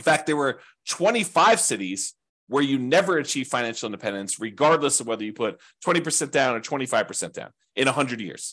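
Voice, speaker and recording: The voice has a bright, sharp tone and very wide pitch swings, moving at a moderate pace over a quiet background. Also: man, fairly high pitch for a man. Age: 50s. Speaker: real estate investing educator. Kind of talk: lecture.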